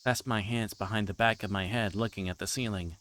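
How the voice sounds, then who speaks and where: Low-voiced man livestreaming, noisy background. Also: steady tone, fairly bright tone. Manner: halting, informal asides while thinking aloud. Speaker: streamer playing a visual novel. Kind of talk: livestream commentary mixed with reading game text aloud. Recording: clear background noise, insect-like ambience.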